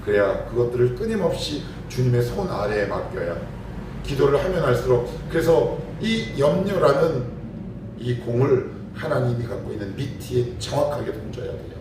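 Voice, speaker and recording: With an animated, mid-range voice at normal speed, a pastor delivers an emphatic morning prayer sermon full of rhetorical questions to his congregation. The church sanctuary sounds very echoey, the mic is distant, and there's faint noise.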